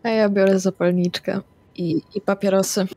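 A woman's voice: mid-range voice, little pitch movement, normal speed, warm tone. A woman playing in a tabletop role-playing game, speaking in casual in-character banter.

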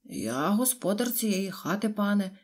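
A woman voicing a calm, polite male homeowner in an audiobook. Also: sits high, unhurried, voice pushed up.

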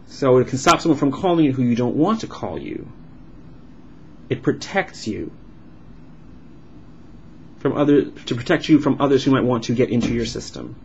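Male interpreter voicing a vlog, mid-pitched, halting phrase-by-phrase delivery, muffled lo-fi audio. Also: expressive. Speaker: sign language interpreter voicing a signed vlog. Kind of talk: live interpretation of an explanatory vlog. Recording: dull lo-fi sound with clear background noise.

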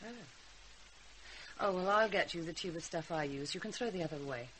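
A woman's voice: on the low side, fairly quick, fairly bright tone, lightly acted, poor audio. An actress playing a weary, sarcastic mother with a dry, brittle manner in a naturalistic radio drama. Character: weary, sarcastic mother of a rebellious teenage girl. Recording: hissy radio drama recording.

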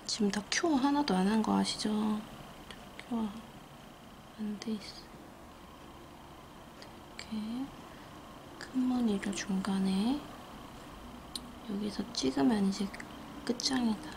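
Creaky-voiced woman with Gyeongsang accent. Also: medium pitch, slow, long pauses. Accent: Gyeongsang Korean. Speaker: nail art instructor. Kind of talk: casual hands-on tutorial chat. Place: indoor nail art studio. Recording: noisy room, steady background noise.

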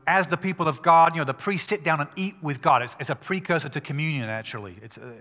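Man, pastor, pulpit microphone, fairly high voice, conversational sermon, long hall reverb. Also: sharp tone. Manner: conversational, emphatic preaching with quick restarts.

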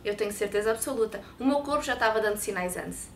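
A woman in her thirties with a European Portuguese accent, telling her personal story in an expressive, hand-gesturing way in a sit-down studio interview on a lapel mic. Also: mid-range voice, quick pace, echoey room, a little hiss or hum. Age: 30s. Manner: expressive, talks with her hands. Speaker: interview guest. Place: bright studio set with sofa and shelves.

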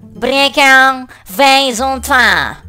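A woman's voice: sits high, expressive, extremely slow, sharp tone, soft background music, heavily acted. A woman voicing a stern mother who scolds her son and calls him to dinner, in a game-animation comedy. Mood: scolding. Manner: scolding, bossy.

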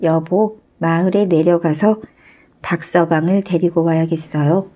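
A woman's voice: fairly low pitch, fairly even intonation, measured pace, mellow. Woman doing a copycat goblin. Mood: teasing mimicry. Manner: echoes the speech of others. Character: mischievous male goblin who mimics every word.

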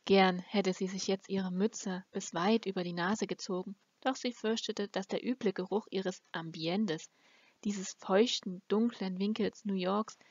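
A woman's voice: mid-range voice, no room sound. A woman reading a fantasy novel aloud as an amateur audiobook narrator. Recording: dull, lo-fi close recording.

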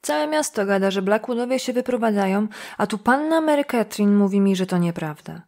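A woman playing a loud, mocking small-town man. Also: high-pitched, animated, fairly quick, creaky. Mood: taunting. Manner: drawling, taunting, repeats himself with laughs.

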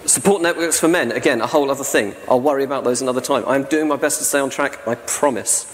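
A man's voice: mid-range voice, fast talker. Chatty man talking in a big hall. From South-East England. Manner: chatty, self-deprecating, asides with "right?". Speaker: conference speaker. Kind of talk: presentation talk. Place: large dark hall on a stage with projection screen. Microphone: stand mic at lectern. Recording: reverberant hall, faint noise.

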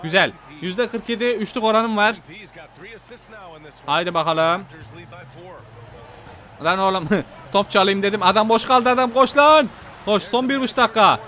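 A man giving excited gameplay commentary as a gaming YouTuber, shouting at the players on screen and at his viewers, his voice going hoarse. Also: high voice, moderate pace, pauses often.

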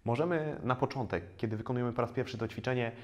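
A man in his thirties, a fitness trainer, calmly explaining core exercises with frequent hesitation fillers, recorded on a lapel mic in a bare indoor studio. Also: medium pitch, fast talker. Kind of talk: instructional exercise video.

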